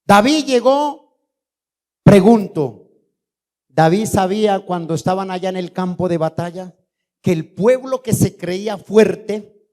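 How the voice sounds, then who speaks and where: Man, pastor, church sermon, unhurried delivery, rhetorical questions. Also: high voice, warm tone. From Colombia. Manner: fiery preaching with rhetorical questions to the congregation.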